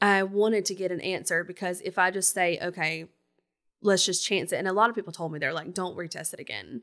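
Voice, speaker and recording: This woman has a normal speaking voice in an American accent, pitched at a medium level. She talks at a fairly quick pace with fairly even intonation. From US South, South Georgia. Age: 30s. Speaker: fitness studio owner. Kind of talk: interview conversation.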